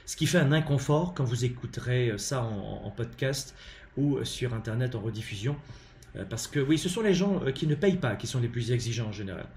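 A man from France with a French accent, hosting a live-streamed motivational talk on leadership from home, emphatic and animated with lots of hesitant fillers. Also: medium pitch, a little fast, roomy sound, slight background noise. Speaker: leadership coach and live show host.

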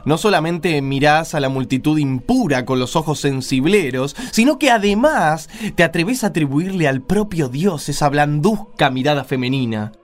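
An actor playing a pompous, contemptuous, pious Pharisee husband in a radio play, preachy and condescending. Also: male voice, on the high side, animated, normal speed, few pauses, lightly acted. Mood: scornful.

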